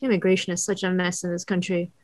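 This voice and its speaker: A woman's voice: lowish voice, little pitch movement, quick pace, darkish tone, close to an everyday voice. A woman playing a chatty, caring South Asian driver of fifty in a screenplay table read. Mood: concerned. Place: indoor room, video call.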